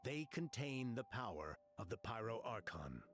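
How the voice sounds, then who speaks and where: A man's voice: medium pitch, very animated, normal speed, a bit bright, faint music behind. A man playing an easygoing, knowledgeable tribal guide in a video game, explaining things in a reassuring way.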